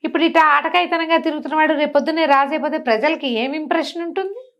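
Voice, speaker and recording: A woman's voice: high-pitched, quick pace, a bit bright, highs cut off, voice pushed up. A woman storyteller voicing a scheming usurper uncle in a folk tale, falsely reassuring and persuasive. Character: scheming, smooth-talking usurper uncle, adult man.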